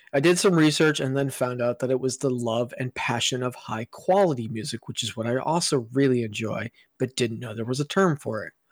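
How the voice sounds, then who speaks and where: A man talks at a fairly quick pace and medium pitch, with ordinary pitch variation and an ordinary speaking voice. The recording is very clean, with a silent background and a dry, close sound with no echo. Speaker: customer service worker, gamer. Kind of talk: casual chat.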